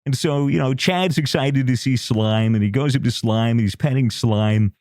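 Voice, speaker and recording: A man's voice: mid-range voice, moderate pace, darkish tone, dry recording, studio quality. A man on a podcast telling a crude story in a casual, laughing way, full of restarts and swearing. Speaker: podcast co-host.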